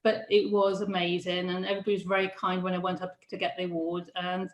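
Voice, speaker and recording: A middle-aged woman, a careers adviser, talking in a halting, laughing interview manner with many restarts. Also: on the low side, level tone. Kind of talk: casual interview chat. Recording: echoey room.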